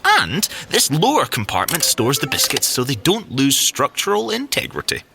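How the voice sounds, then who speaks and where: An actor playing an excitable, geeky young Scottish tech agent in an audio drama, enthusiastic, fussy and expressive. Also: male voice, fairly high pitch, moderate pace, gravelly, noisy background, full character voice. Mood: playful, eager.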